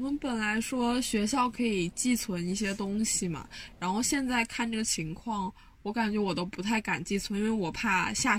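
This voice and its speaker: Somewhat breathy, fairly high-pitched female voice with ordinary pitch variation and a moderate pace. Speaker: university graduate, podcast co-host. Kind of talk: casual chat. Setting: university dorm room.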